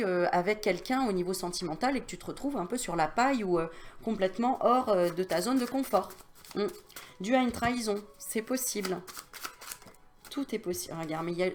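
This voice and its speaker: A woman medium with a mid-range voice does a relaxed card reading aimed right at the viewer, with a slight hiss or hum on the audio. Her manner is friendly and talkative, full of fillers as she coaxes and reassures.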